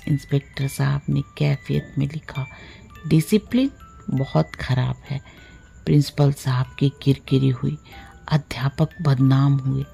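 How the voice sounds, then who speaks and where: A woman narrating a literary short story in a measured, expressive storytelling manner, drawing out her phrases. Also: sits low, creaky. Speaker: audiobook narrator.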